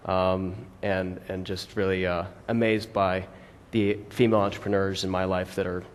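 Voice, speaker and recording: A young man speaking earnestly as a panelist, pausing with fillers. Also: low voice, level tone. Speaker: panelist, company founder. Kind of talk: conference panel remarks. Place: large conference hall stage. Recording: long hall reverb.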